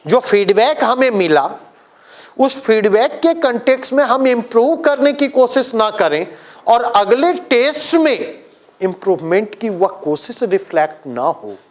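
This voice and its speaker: A man teaching an exam coaching class, lecturing emphatically and putting questions to his students. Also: sits high.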